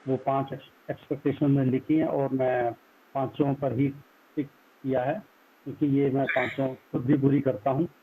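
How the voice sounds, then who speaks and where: Quiet man on a tinny call. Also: mid-range voice, flat delivery, normal speed, a little hiss or hum. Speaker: session participant. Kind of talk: reporting back in a group session. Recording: thin phone-line sound from far off.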